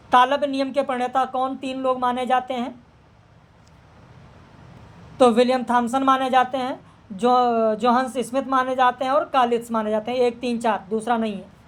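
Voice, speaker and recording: This female exam tutor has a high voice that stays even and level. She reads out questions and answers, checking them in a brisk, steady, matter-of-fact way.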